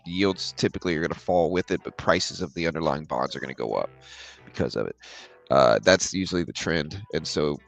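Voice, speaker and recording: A man with a naturally very deep, low-pitched voice talks through market news on a live stream. He sounds tired, with a gravelly edge, and his explanations wander with fillers and restarts. Faint music plays underneath. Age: adult with a daughter. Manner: relaxed, rambling, filler-heavy explaining. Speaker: livestream trading host. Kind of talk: casual live market commentary, reading chat questions.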